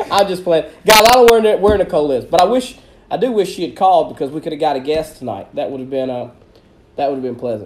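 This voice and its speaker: Amid noticeable background noise, a man with a Southern US accent talks at a very fast pace and a high pitch. His pitch swings very widely, and his loudness shifts a lot. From US South. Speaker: podcast host. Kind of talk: casual chat.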